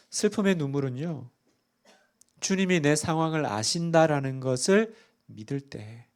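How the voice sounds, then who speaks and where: A middle-aged man, a pastor, preaching a sermon in a church and often putting questions to the congregation. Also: fairly high pitch. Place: church sanctuary.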